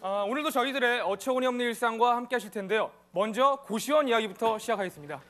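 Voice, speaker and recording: A man in a comedy duo firing off cheeky, deadpan comebacks in quick stage banter. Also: very high-pitched. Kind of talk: rapid-fire stage comedy dialogue. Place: TV comedy stage with live audience.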